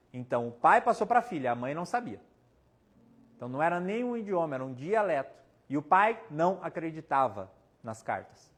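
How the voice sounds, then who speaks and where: A Brazilian man with a Brazilian Portuguese accent giving a casual spiritist talk, telling anecdotes and quoting people with jokes along the way. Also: fairly high pitch. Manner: chatty, anecdotal, quotes people in his stories, jokes. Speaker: spiritist medium speaker. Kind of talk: casual storytelling talk with audience questions.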